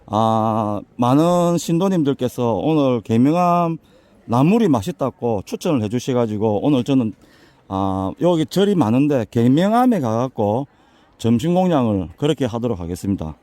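An older man with a Busan accent, hoarse and a bit winded, chatting folksily as he walks a mountain path for his vlog. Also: mid-range voice, sing-song, normal speed, dark tone, no echo. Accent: Busan Gyeongsang dialect. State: out of breath from climbing. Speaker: vlogger touring local alleys. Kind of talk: casual walking vlog.

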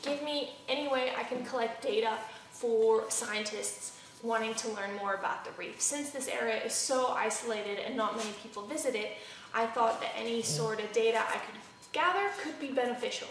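A woman's voice: fairly high pitch, normal speed, a little hiss or hum. A woman narrating her ocean vlog in a plain, explanatory storytelling way. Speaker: ocean vlogger. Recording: roomy sound from far off.

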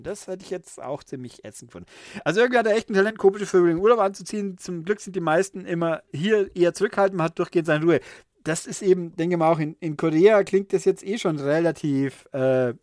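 A man's voice: high voice, a little mellow, no echo, studio quality. A man hosting a podcast alone, reading a viewer's letter aloud and commenting in a casual way, with many fillers and restarts. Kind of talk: casual solo chat.

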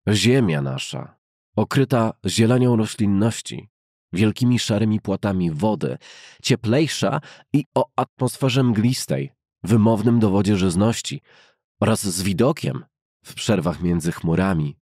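A man narrating an audiobook in a measured, formal, deliberate way, as a scripted literary reading. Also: lowish voice, expressive, a little mellow, breathy edge, no echo, studio quality. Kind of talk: scripted literary narration of a classic science fiction novel. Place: dry recording studio.

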